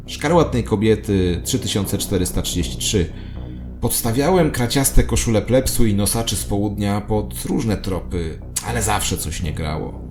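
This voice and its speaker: A man narrating a scripted first-person audio drama in a literary, confessional storytelling manner. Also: lowish voice. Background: music.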